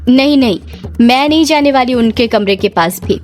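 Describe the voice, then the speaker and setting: A woman's voice: mid-range voice, moderate pace, faint music behind, natural voice. A woman voicing a shy, nervous young woman who hesitates and stammers, in a spoken horror story. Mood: frightened.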